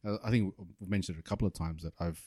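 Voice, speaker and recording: A deep-voiced Australian man co-hosts a podcast, talking fast in a relaxed, joking manner. The sound is close and dry. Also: slightly rough, dry recording. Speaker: podcast co-host. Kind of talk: casual interview chat.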